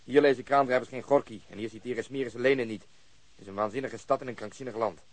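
Male actor gruff cop in charge, radio play: rapid, curt, sardonic delivery in a very dry studio. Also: mid-range voice, steady tone, no echo, natural voice. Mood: irritated, determined. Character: gruff, blunt, impatient police officer taking command. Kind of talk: radio drama acting.

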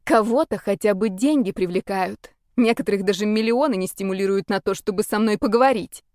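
A woman's voice: medium pitch, brisk, darkish tone, no room sound, clean studio sound, natural voice. A woman reading the lines of a blind young woman of about twenty, defensive and exasperated with her father. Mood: bitter. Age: young adult.

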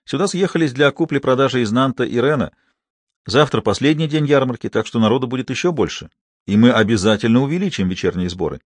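A calm, assured young man in a storybook reading, voiced by a man. He speaks plainly and reassuringly, close to the reader's own voice. The sound is dry. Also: mid-range voice, fast talker, no echo, natural voice.

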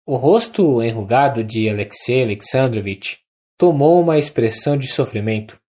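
An audiobook narrator with a Brazilian accent reading a classic novel in a measured, even way. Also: medium pitch. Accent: Brazilian Portuguese.

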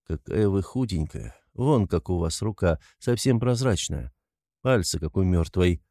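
Man voicing a brooding gloomy young guy, abrupt, low mellow voice. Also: animated, a little slow, vocal fry, no room sound, studio quality, heavily acted.

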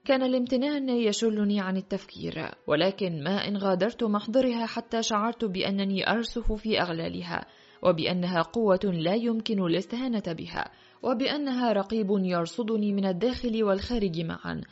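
A woman narrating a literary audiobook in a measured, reflective way. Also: mid-range voice, darkish tone. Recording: dull lo-fi audio with faint music.

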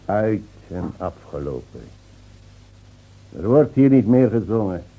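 An actor in a Dutch radio play playing a mocking, defiant old village drunk who foretells doom with theatrical scorn. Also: male voice, lowish voice, big pitch swings, slow pace, phone-quality sound, heavily acted. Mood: defiant, scornful. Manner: taunting, theatrical, scornfully laughing.

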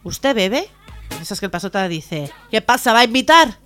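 A woman hosting a radio humor show, telling jokes in a lively way and putting on voices for the characters. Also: mid-range voice, normal speed. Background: music.

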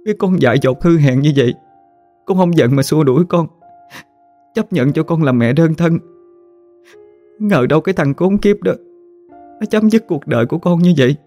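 A man's voice: a little high, darkish tone, close to an everyday voice. Man doing a pleading young ghost girl. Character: grieving young woman ghost.

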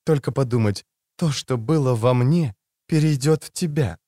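A man's voice: medium pitch, moderate pace, dark tone, dry recording, clean studio sound, lightly acted. A man reading an audiobook, voicing a languid, provocative adult woman in a scheming mood. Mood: teasing. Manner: drawling, provocative.

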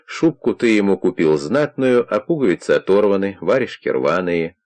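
A man playing a calm, persuasive older investigator. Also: low-pitched, moderate pace. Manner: calm, persuasive, warmly probing.

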